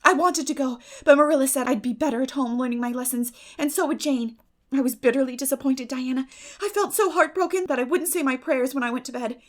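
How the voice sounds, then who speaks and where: A woman's voice: high voice, brisk, lightly acted. A woman voicing a dreamy, effusive young schoolgirl in an audiobook, breathless, earnest and gushing. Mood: anxious, earnest. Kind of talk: dramatic audiobook character reading.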